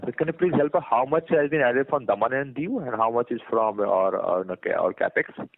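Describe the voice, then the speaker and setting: A man's voice: mid-range voice, moderate pace, creaky, slight background noise. A man with an Indian accent, a financial analyst calling in with hesitant, repetitive questions on an earnings call. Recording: tinny phone line.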